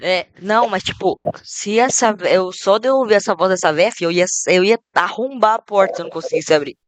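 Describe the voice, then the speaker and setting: A woman with a Brazilian accent in casual reaction chat, slangy and halting as she thinks aloud. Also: mid-range voice, no room sound. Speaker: reaction video commentator.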